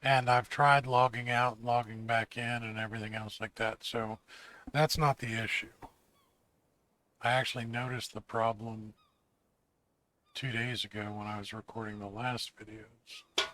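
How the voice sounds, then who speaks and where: Hoarse man casually narrating gameplay. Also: mid-range voice, little pitch movement, a little slow, bright, forceful tone. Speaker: gaming channel host. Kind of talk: casual let's-play commentary.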